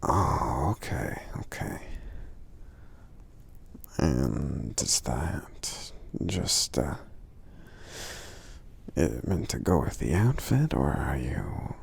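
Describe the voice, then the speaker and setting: A man playing a friendly, gentle giant in an ASMR roleplay, speaking softly and hesitantly in a breathy, gravelly voice that often nears a whisper, with murmured hums between phrases. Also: a bass voice, very animated, extremely slow, long pauses, heavily acted. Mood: kind, curious.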